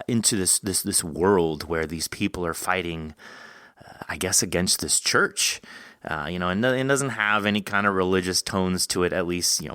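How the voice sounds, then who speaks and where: A man hosting a casual interview podcast, with a fairly low voice that comes across bright and forward. He rambles enthusiastically through long thoughts, and the recording is dry and close. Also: no echo. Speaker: podcast host. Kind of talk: casual interview chat about fiction.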